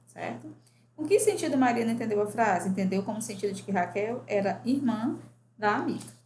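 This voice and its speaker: A woman teacher correcting grammar exercises for a class, reading questions aloud and often checking in with "né?". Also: mid-range voice. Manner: reads exercises aloud, asks the class, frequent "né?". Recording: echoey room with faint ambient noise.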